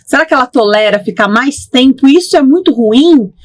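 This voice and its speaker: A woman's voice: sits high, lively intonation, normal speed. A middle-aged woman hosting a podcast interview, talking conversationally and framing her questions at length. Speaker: podcast host, journalist.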